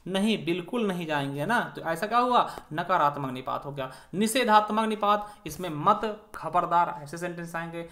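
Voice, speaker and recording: A man teaching an exam-prep grammar lesson. He explains step by step, keeps checking in with the listener, and slows down to stress each example word. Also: high-pitched, sharp tone. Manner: stresses example words and slows down over them.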